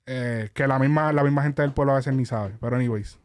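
A man's voice: medium pitch, a little fast. A man born in the Dominican Republic and raised in Rico, talking casually and animatedly, swearing constantly. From Dominican Republic, raised in Puerto Rico. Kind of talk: casual chat.

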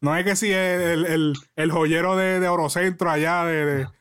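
A man hosting a casual chat, animated and laughing often, mixing in English. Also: on the high side, moderate pace, smooth. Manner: animated, laughing, code-switching. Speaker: podcast host.

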